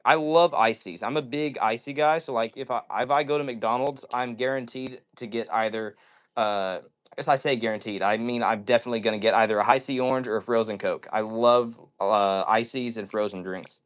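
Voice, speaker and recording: A man's voice: mid-range voice, smooth. A man hosting a live stream, chatting casually and reading out viewer messages in slangy, upbeat talk. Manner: upbeat slangy greetings, says "dude" and "yo" often.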